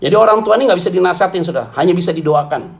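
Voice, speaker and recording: High-voiced blunt joking pastor, a man. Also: lively intonation, racing, gravelly. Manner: blunt, joking, colloquial, calls listeners "saudara". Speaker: pastor answering questions. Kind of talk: church Q&A talk.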